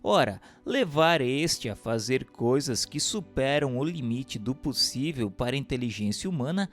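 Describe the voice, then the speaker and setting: A Brazilian man reading a book aloud as scripted narration, in a formal, measured, didactic way with emphatic phrasing. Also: medium pitch, animated. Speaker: reader of a book. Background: instrumental music.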